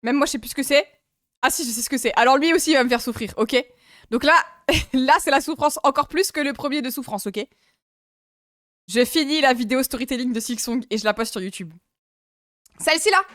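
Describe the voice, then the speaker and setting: A woman's voice: high-pitched, fairly quick, long pauses, a bit bright, no room sound, studio quality. A young woman from France streaming live, chatting casually and giggling as she reacts to her viewers.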